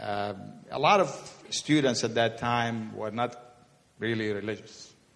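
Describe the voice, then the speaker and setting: The speech comes at a very slow pace, with noticeable background noise. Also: man. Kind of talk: panel discussion.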